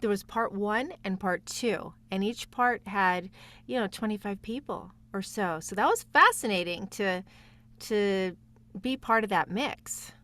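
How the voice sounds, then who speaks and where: A woman's voice: medium pitch, unhurried, a bit bright. A woman speaking as a guest voice actor in a casual interview, enthusiastic and reflective.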